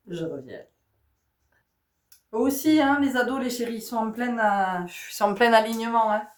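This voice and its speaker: Talking directly to listeners in a casual spiritual talk, a middle-aged woman spiritual guide often laughs, her nose stuffy from a cold. She speaks in a slightly high, animated voice at an unhurried pace with long pauses. The mic is distant and the sound is roomy.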